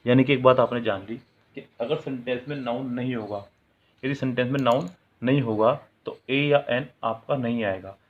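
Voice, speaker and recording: A male grammar teacher talks through his lesson with a steady, middling voice. He puts questions to his students and answers them right away. The sound is thin and tinny, much like a phone line. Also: mid-range voice, normal speed. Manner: asks the viewer questions and answers them himself; explains English in Hindi, reading example sentences aloud. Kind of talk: classroom-style video lesson.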